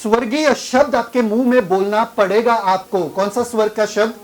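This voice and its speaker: Pastor leading a sermon, keeps quizzing the congregation. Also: male voice, high-pitched, steady tone, moderate pace, poor audio. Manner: questions the congregation and drives for answers.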